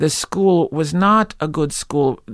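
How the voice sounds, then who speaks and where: The man's pitch is fairly high, with ordinary pitch variation. The sound is dry and close, with no echo. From New Jersey, Livingston. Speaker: filmmaker. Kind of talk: casual interview. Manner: halting.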